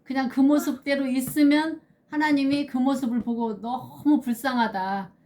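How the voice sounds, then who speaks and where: A woman's voice: high voice, steady tone, normal speed, dark tone. A woman, a pastor's wife, giving emphatic advice in a casual faith conversation. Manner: emphatic, advising.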